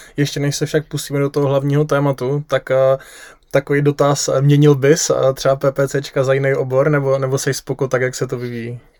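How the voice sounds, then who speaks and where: Dry and close with no echo, a man talks at a fairly quick pace in a monotone, flat intonation. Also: fairly high pitch for a man. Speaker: podcast host. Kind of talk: casual interview. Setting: remote recording.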